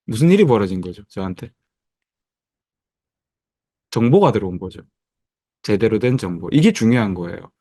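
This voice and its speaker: Man, 50s, motivational speaker, lively pitch, dry close mic, lots of "uh" and "yeah". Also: dry recording. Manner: lively storytelling with many fillers, acting out past dialogue. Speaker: network marketing presenter. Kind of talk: motivational presentation over a video call.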